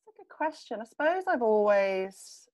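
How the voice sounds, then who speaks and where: With a slightly high voice at normal speed, a young woman from England chats as a podcast guest in a casual interview, frequently laughing and stumbling through ums and restarts.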